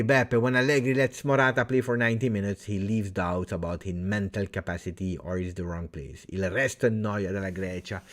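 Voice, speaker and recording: A man with an Italian accent, whose first language is French, hosting a live football fan stream and reading out viewer comments. He talks casually, with loud cheers one moment and low mutters the next. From Italy. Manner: chatty, greets viewers by name, swings from loud cheers to low mumbles. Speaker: football fan livestream host.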